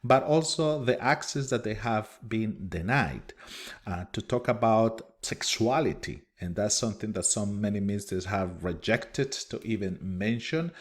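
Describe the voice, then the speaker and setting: A man's voice: on the low side, measured pace. A man from Colombia with a thick Spanish accent, a minister giving a recorded lecture from his office in an earnest way, with many fillers and restarts. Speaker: minister and teacher.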